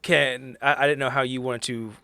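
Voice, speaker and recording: Bright-voiced man improvising casually in game. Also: medium pitch, steady tone, moderate pace, creaky, clear, resonant tone, no echo. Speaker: player in a tabletop game.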